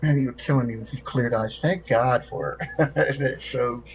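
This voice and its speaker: A man's voice: medium pitch, moderate pace. A man acting as game master, casually narrating and chatting through a tabletop role-playing session. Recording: slightly muffled, faint background noise.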